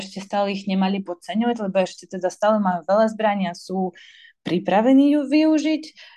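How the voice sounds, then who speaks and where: Her medium-pitched voice has a dark, mellow tone as this woman speaks. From Ukraine, Odesa. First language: Ukrainian, also Russian (speaking Slovak). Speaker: political commentator, student. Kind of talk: interview.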